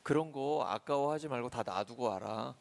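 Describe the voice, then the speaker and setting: A man preaching a sermon as pastor in a church, swinging between loud emphatic lines and soft confiding storytelling. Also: medium pitch, moderate pace, vocal fry. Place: church sanctuary.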